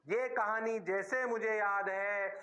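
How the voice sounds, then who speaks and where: A man's voice: sits high, steady tone, slow pace, sharp tone. A man teaching physics in a classroom lecture with an Indian accent, who drags out his words and playfully answers himself in the students' voice.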